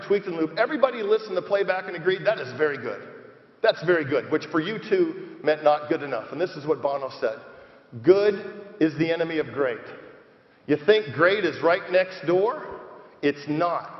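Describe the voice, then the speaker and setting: On stage in a large conference hall, a middle-aged man delivers an energetic motivational keynote through a headset mic, his voice pitched high. He's emphatic, repeating phrases, firing questions at the crowd and leading chants. The live hall gives the sound a long reverb.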